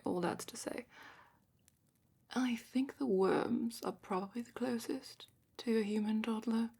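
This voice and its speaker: Woman acting as a calm probing fantasy examiner lady, breathy asmr whisper w some crackle, slow careful questions. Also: medium pitch. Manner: measured, deliberate questioning with thoughtful pauses.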